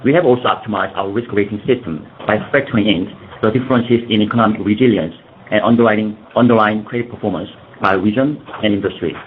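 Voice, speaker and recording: A man's voice: fairly low pitch, fast talker. A man in the role of a company executive, formally reading prepared earnings call remarks and sometimes stumbling over his words. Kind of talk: scripted earnings call presentation. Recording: dull lo-fi conference call, faint noise.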